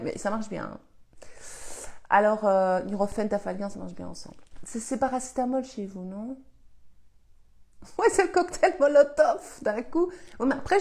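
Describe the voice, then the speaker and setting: A woman's voice: mid-range voice, dark tone. Belgian woman in her fifties, slight cold, casual chatty live host who laughs through her stories. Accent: Belgian French. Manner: chatty, laughs often, rambling anecdotes. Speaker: host answering live questions. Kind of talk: casual storytelling chat.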